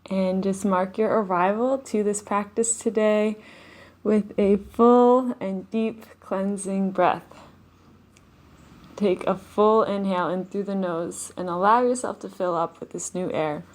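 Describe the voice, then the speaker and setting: A woman leading a live guided meditation, speaking softly and slowly with long pauses and audible sighs. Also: mid-range voice, steady tone. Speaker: meditation teacher. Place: home, live online session.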